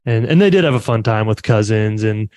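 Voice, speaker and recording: A man's voice: on the low side, animated, fairly quick, a little mellow, no room sound. A man hosting a podcast, talking in an easygoing, chatty way and laughing often. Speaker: podcast host. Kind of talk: casual interview chat.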